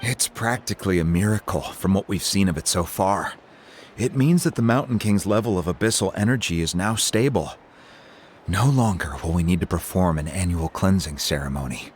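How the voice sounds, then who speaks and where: An actor playing a reassuring, thoughtful tribal chief in a video game, explaining things in a composed, formal way. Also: male voice, deep voice, moderate pace, a little hiss or hum, close to an everyday voice. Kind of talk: video game character dialogue.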